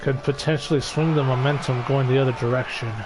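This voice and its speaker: A man's fairly high voice with an animated tone and moderate pace, plus audible room echo and noticeable background noise. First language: Spanish. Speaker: gaming livestreamer doing wrestling commentary. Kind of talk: live play-by-play commentary on a video game. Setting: livestream.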